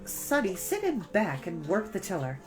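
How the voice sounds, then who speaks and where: Woman voicing a higher-pitched, take-charge storybook girl. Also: huge pitch swings, normal speed, over music, low-quality recording. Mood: brisk, commanding. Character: clever, take-charge teenage girl steering through a storm.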